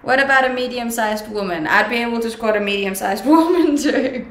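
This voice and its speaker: Young Danish-accented woman streamer, slightly high voice, relaxed chat, echoey kitchen. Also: brisk. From Denmark. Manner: relaxed, chatty, laughs often. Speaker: livestreamer. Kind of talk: casual chat reading viewer comments. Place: home kitchen, indoors. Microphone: webcam at desk distance. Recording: echoey kitchen with faint background hum.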